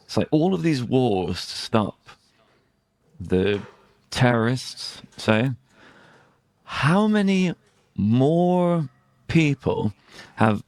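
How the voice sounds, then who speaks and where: A British man, an English teacher, talking casually about current affairs in a searching, halting way with rhetorical questions. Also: fairly low pitch, darkish tone, dry recording. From Britain. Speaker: English teacher and conversation host.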